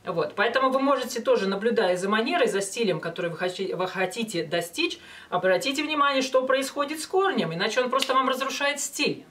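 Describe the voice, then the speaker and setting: A woman's voice: fairly high pitch, expressive, fairly quick, few pauses, fairly bright tone. Female vocal coach, slightly distant mic. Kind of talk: instructional talk with short sung demonstrations. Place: small indoor studio with banner backdrop.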